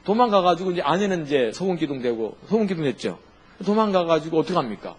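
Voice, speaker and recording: Husky Korean pastor with lively pitch. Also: male voice, quick pace. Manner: asks the congregation questions and answers them himself, with lively emphasis. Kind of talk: sermon.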